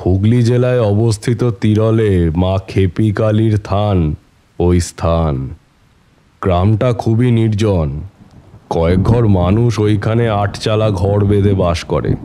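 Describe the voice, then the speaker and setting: An actor playing a seasoned, middle-aged tantric holy man who reminisces in an unhurried, reflective way in an audio story. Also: sits low, dark tone, a little hiss or hum. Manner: unhurried, reflective raconteur addressing listeners. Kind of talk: scripted audio-story narration in character.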